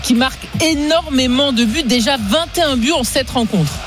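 A woman's voice: high voice, moderate pace, over music. A woman hosting a live football broadcast, addressing her co-presenters and correspondents. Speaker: radio sports show host.

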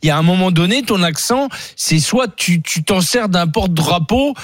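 A man's voice: high-pitched, animated, moderate pace, no echo, clean studio sound. A man on a radio panel, cutting in to argue his point. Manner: interjecting, argumentative. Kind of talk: studio talk radio.

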